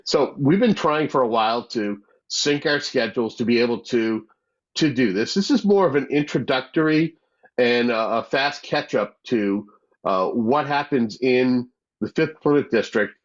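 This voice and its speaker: A man's voice: mid-range voice, normal speed. A man hosting a community cable talk show, introducing his guest in a conversational, filler-heavy way. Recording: dull lo-fi sound.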